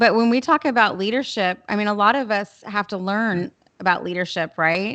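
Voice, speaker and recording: Woman at medium pitch and moderate pace, bright and sharp in tone with ordinary pitch variation, dry and close with no echo against a quiet background. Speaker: co-host. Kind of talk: casual live chat. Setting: live stream.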